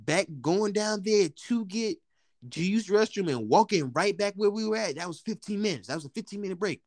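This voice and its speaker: Deep-voiced young man, loose slangy chat. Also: lively intonation, no room sound, studio quality. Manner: loose slangy talk, quick laughs, rambling restarts. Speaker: co-host of a casual chat. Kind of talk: casual chat between friends.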